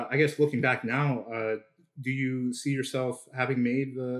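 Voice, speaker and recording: A man is talking at a moderate pace. The background is quiet. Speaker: podcast host, music student. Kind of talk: casual interview chat. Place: home room. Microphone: video call.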